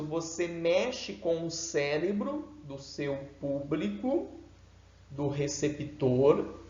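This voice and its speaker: Brazilian male seminary teacher, deliberate and emphatic, leaning hard on pitch swings; unhurried delivery in an echoey room. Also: a little mellow. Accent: Brazilian Portuguese. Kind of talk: homiletics lecture. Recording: echoey room, dull lo-fi sound.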